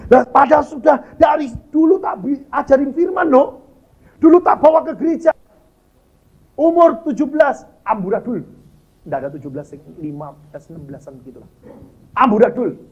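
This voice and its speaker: High-voiced pastor preaching with tinge. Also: male voice, expressive, moderate pace. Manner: swings between loud exclamations and hushed low asides, addressing the congregation. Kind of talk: sermon. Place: church hall. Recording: dull lo-fi sound with faint background ambience.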